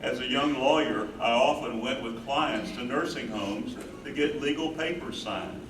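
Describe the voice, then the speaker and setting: A man's voice: medium pitch, measured pace, far from the mic, natural voice. A man playing an earnest, grieving older husband who cares for his wife, in a dramatic staged play reading. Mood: troubled recounting. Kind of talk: staged play reading, first-person narration. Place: live staged reading in echoey room. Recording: roomy, noisy stage recording from afar.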